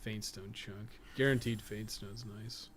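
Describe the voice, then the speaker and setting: A man's voice: fairly low pitch, fairly even intonation, measured pace, slight background noise. A man giving casual, off-the-cuff video game commentary, rambling and thinking aloud with mild swearing. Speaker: podcast co-host playing a video game.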